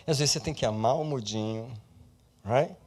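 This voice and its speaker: A male pastor preaching an animated sermon, swinging between loud and soft and slipping English words into his speech. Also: mid-range voice, normal speed.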